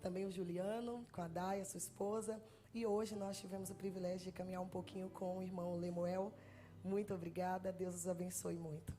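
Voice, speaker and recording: Here the same kind of speaker: a guest preacher from Bahia, Brazil, in her thirties, with a Bahian Portuguese accent, talking into a handheld mic in the church sanctuary before preaching. Fairly low-pitched, brisk, level and warm, she still sounds nervous and trembling while she chats, jokes with the congregation and teases herself.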